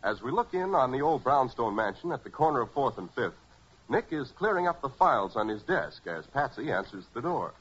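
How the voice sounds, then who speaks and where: Very bright, emphatic American radio announcer man. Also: mid-range voice, very animated, a little fast, breathy edge. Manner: dramatic, emphatic, polished salesmanship. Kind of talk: 1940s radio announcing and ad copy. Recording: muffled 1940s radio recording.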